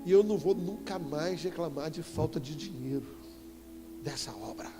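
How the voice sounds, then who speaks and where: Animated Brazilian preacher man in echoey hall. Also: fairly high pitch, moderate pace. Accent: Brazilian Portuguese. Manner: animated, emphatic storytelling with sudden loud exclamations. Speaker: apostle preaching. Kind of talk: storytelling sermon. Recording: echoey church hall with faint music.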